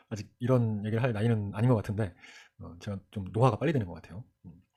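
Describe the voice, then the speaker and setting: A man's voice: lowish voice, fast, warm tone, husky. A man in his forties with a light North Jeolla Korean accent, giving a rambling, joking history lesson. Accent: light North Jeolla Korean accent with Chungcheong features. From Jeolla region of South Korea. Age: 40s. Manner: rambling, joking, self-mocking asides. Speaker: history teacher. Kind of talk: casual lecture.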